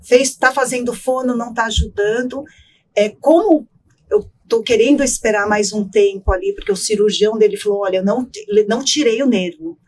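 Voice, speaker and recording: A woman doctor, a voice specialist, explaining things calmly in a podcast interview and often ending with tag questions. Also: on the high side, a little fast, rough recording.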